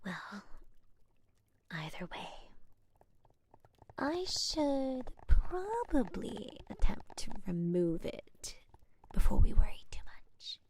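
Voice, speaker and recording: A woman playing a calm, curious scholarly witch in a soft-spoken ASMR roleplay, breathy and mostly whispered, with measured phrasing and thoughtful pauses. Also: a little high, heavily acted. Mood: pondering, reassuring. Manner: slow, measured, pausing with thoughtful hums.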